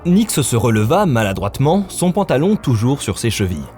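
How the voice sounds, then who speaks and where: A man's voice: mid-range voice, sing-song, a little fast, darkish tone. A male narrator with a mid-range voice tells a scripted adventure story in a dramatic style. Faint music plays underneath him.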